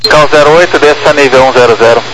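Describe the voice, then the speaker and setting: A man with a Brazilian accent and a mid-range voice speaks in procedural aviation phrases. The crackly, military-style radio carries clear background noise. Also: medium pitch, fast talker. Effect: radio transmission.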